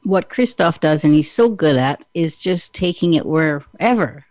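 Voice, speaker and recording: Low-voiced Canadian woman host. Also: animated, unhurried, darkish tone, dry recording. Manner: chatty, teasing, laughs often. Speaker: podcast host. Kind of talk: casual interview chat.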